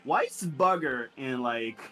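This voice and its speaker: Lively, bright-voiced wisecracking man. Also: mid-range voice, unhurried, soft background music. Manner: wisecracking, swears, quizzical. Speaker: co-streamer. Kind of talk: casual let's-play banter.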